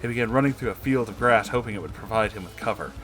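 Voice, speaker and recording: A man's voice: on the low side, fast talker, fairly bright tone, soft background music. A man narrating a comedic story in a dramatic, theatrical way.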